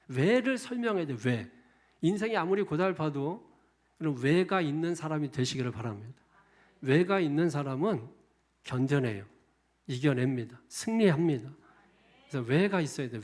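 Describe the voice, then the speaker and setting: A middle-aged male pastor preaching a sermon, emphatic, firing off repeated rhetorical questions with loud stresses on key words. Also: a little high, big pitch swings, moderate pace. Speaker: senior pastor.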